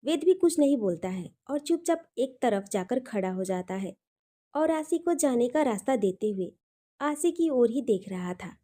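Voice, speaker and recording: High-pitched, expressive woman storyteller. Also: moderate pace. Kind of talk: scripted audio story narration, romantic drama.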